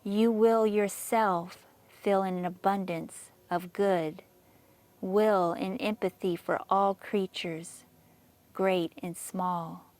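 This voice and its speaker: A woman reading a scripted guided meditation in a measured, soothing manner with long pauses. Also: medium pitch, steady tone, darkish tone.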